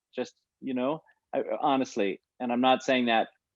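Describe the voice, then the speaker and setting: A man with an unremarkable speaking voice talks at a fairly slow pace. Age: 50s. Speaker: film set photographer. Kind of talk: casual interview chat.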